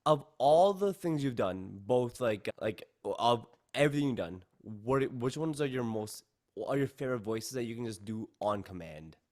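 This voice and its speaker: Excitable man asking rambling questions. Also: medium pitch, normal speed. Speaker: podcast host. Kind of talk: casual interview chat.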